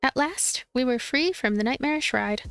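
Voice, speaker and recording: A woman with a fairly high voice narrates a visual novel for a let's play. She reads expressively, like a storyteller, with music playing behind her. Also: normal speed, smooth. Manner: animated storytelling, acts out dialogue.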